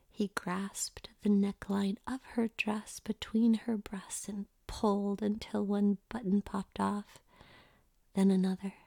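A woman reading an erotic story in a soft, unvoiced whisper close to the mic. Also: mid-range voice, no room sound.

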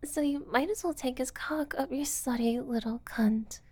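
A woman's voice: high-pitched, normal speed, mellow, slightly rough, no echo. A woman playing a bold, goading woman in an adult audio drama, taunting and coaxing, often dropping into a whisper.

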